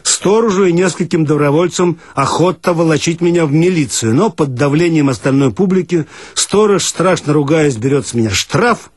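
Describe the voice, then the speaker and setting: A man's voice: fairly high pitch, normal speed, few pauses, darkish tone, husky, no room sound, studio quality. A man reading humorous first-person stories for radio in a mock-earnest, ironic manner. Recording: archival radio recording with guitar music. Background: guitar music.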